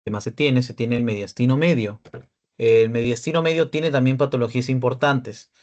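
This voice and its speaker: A man's voice: medium pitch, moderate pace, a little mellow, muffled recording. A young man giving a peer-tutoring radiology lecture, explaining cases and checking in often with his listeners. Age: young adult.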